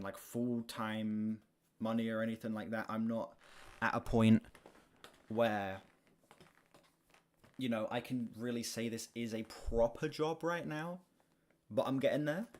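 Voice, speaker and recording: A young man livestreaming, chatting casually and candidly to his audience in a projected but monotone voice, swearing now and then. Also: mid-range voice. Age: young adult. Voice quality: self-described monotone, projected streaming voice. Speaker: gaming livestreamer. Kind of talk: casual chat to a stream audience. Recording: clear background noise, keyboard clicks. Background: keyboard typing and clicks.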